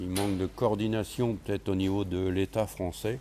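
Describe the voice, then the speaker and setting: This man's voice sits at a very deep, low pitch with a dark, mellow tone. He speaks at a fairly slow pace with fairly even intonation. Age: 60s. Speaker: dairy and poultry farmer. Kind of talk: casual interview. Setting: on a farm. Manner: hesitant, many fillers.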